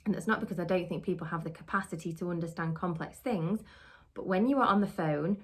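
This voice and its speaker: A British trainer and podcast host offers conversational, instructional advice in a fairly low voice at a quick pace. She explains her points and rephrases them as she goes.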